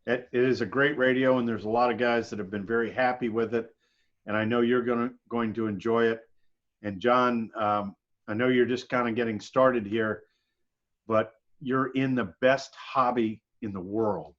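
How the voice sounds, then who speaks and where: Encouraging man, mid-pitched, slightly muffled. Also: steady tone, normal speed. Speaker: experienced ham radio hobbyist. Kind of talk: casual chat.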